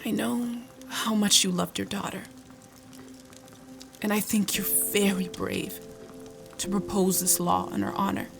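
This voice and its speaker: A calm, compassionate stateswoman and mother in an audio fiction drama. She speaks slowly and gently, with a noticeable creak, persuading with care. Music plays behind her. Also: medium pitch. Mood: earnest, measured. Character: calm, compassionate woman politician and devoted mother.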